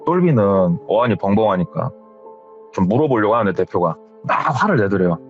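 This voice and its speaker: Man telling a horror story, lively pitch. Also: a little fast. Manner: retelling with hearsay, lively delivery. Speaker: horror story radio host. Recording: slightly dull with faint music.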